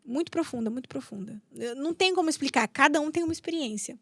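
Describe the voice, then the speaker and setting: Speaking quickly in a high, creaky voice, a São Paulo–state woman in her thirties with a Brazilian Portuguese accent tells an emotional personal story as a guest on a podcast. She repeats herself and acts out the dialogue of people involved. The studio-quality recording has no room sound.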